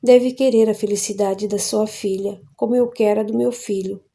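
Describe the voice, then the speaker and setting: A woman's voice: mid-range voice, fairly even intonation, moderate pace, warm tone, lightly acted. A woman reading an audiobook, voicing a worried older father who pleads earnestly for his son. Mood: pleading.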